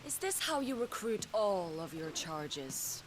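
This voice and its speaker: Slow, taunting villainess. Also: female voice, medium pitch, sing-song, noisy background. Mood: mocking, amused. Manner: taunting, drawn-out delivery. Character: haughty, mocking female military commander, cruel and seductive villain. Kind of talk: video game cutscene acting.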